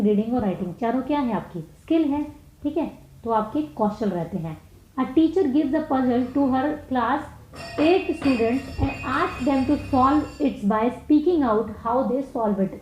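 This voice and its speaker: A woman with an Indian accent, a teacher working through exam questions, reading each one out slowly and then explaining it quickly. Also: fairly high pitch, darkish tone. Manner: reads English slowly, explains fast in Hindi. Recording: echoey dull room sound.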